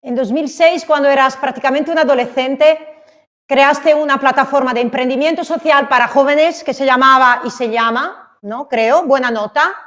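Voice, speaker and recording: Very high-pitched woman hosting an interview. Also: normal speed, a bit bright. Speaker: host, interviewer. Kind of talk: hosting a virtual awards event.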